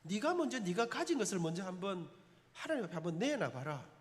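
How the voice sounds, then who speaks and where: Man putting on a deep, gruff God, Gyeongsang accent, challenging, long church reverb. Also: sing-song, a little fast, noisy background. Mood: stern challenge. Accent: Gyeongsang Korean. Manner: gruff, challenging dialect speech. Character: stern, teasing voice of God, male.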